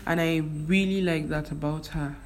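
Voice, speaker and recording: A young woman from Nigeria, a first-language Igbo speaker with a Nigerian accent, chats on her vlog in a casual way, full of fillers and restarts. Her voice sits low, with fairly even intonation at a normal speed. Faint background noise accompanies her.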